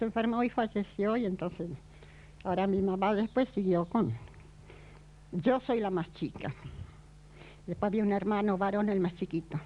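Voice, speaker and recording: Speaking at a moderate pace with long, frequent pauses, a woman has a dark, mellow tone, medium pitch, ordinary pitch variation and vocal fry. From Argentina, Sierras Bayas (Buenos Aires province). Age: 80s+. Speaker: elderly local resident. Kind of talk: testimony.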